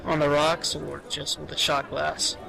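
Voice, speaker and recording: A man's voice: a little high, monotone, a little slow, vocal fry, a crowd in the background, low-quality recording. A man playing a matter-of-fact bartender at a biker bar in an amateur audio drama, brusque and businesslike.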